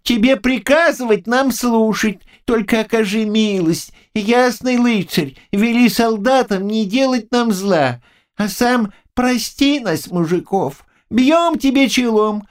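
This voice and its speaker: A shrill pleading old peasant. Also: male voice. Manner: high, quavering, drawn-out begging. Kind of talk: audiobook character voice.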